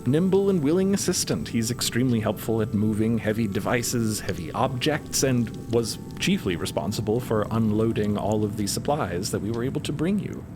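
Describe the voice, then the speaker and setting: A man's voice: fairly low pitch, animated, normal speed, hardly any pauses, over music, natural voice. A man playing a fussy, proud inventor who chatters eagerly about his technical work in an audio story.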